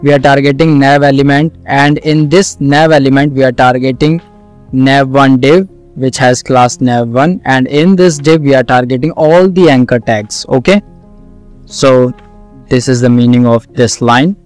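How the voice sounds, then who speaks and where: Slow, clear South Asian man teaching. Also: medium pitch, steady tone, soft background music. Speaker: coding tutorial instructor. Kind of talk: screen-recorded tutorial, explaining step by step.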